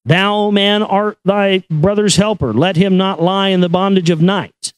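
A man giving a solemn, measured reading of an esoteric text in an incantatory, deliberate manner. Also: high-pitched, clear, resonant tone, no room sound. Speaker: reader and commentator. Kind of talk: solemn recitation of an esoteric text with brief asides.

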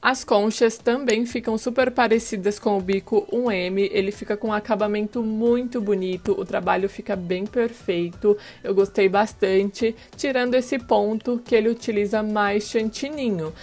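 A woman's voice: medium pitch, steady tone, normal speed, hardly any pauses, darkish tone. A woman in her thirties with a Brazilian accent, presenting a casual tutorial as a channel host on a lapel mic. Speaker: host of a cake decorating channel. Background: background music.

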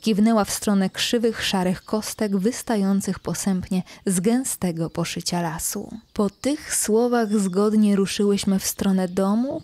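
A young woman narrating a horror tale in a slow, hushed voice that often sinks to a whisper. Her tone is dark and mellow, with a middle pitch. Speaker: podcast host reading her own story. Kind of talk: scripted horror story narration.

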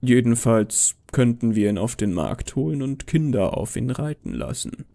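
A man's voice: medium pitch, very animated, moderate pace, vocal fry, warm tone. A man voicing a bitter, deluded immortal Santa Claus with a brooding, falsely friendly manner, in an audio horror story. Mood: earnest. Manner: brooding, contemptuous.

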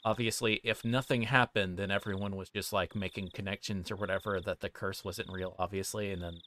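A man livestreaming a visual novel, reading text aloud and commenting casually in a halting, informal way. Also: low voice, steady tone, bright, forceful tone, a little hiss or hum. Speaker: streamer.

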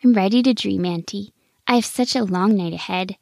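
A woman voicing an eager little girl fox in a storybook, excited and pleading. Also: mid-range voice, normal speed, gravelly, faint music behind, lightly acted.

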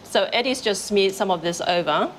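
A woman's voice: mid-range voice, expressive, normal speed, slight background noise. Upbeat woman hosting a food show. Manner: upbeat, chatty, talks with mouth full. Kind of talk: travel food presenting.

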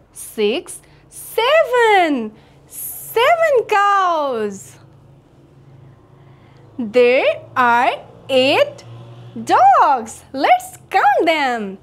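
High-pitched, very slow children's educational host woman. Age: young adult. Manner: bright, sing-song, exaggerated cheer like an educational toy. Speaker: children's counting lesson host.

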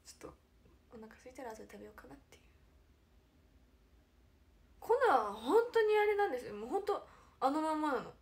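A young woman hosting a casual livestream chat, giggly and animated, who often drops to a near-whisper. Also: high voice, a little fast, long pauses. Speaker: idol livestream host.

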